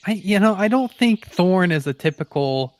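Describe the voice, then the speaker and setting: A man's voice: high-pitched, lively intonation, normal speed. A man talking casually as a player in a tabletop role-playing game, describing his character.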